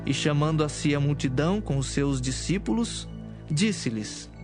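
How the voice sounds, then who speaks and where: A man narrating scripture from a script in a measured, solemn manner. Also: on the high side, animated. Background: music.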